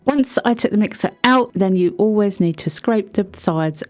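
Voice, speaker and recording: A woman with a cold, sounding croaky, chatting her way through a craft tutorial voice-over with friendly little asides. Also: mid-range voice, lively intonation, moderate pace, darkish tone, faint music behind. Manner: chatty, self-deprecating asides. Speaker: resin craft video host.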